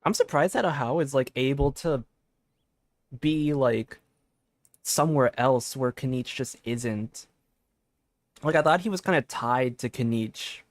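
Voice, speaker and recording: A man's voice: medium pitch, a little slow, pauses often, no echo. A man streaming a game, giving casual, playful live commentary into a close microphone. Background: game music.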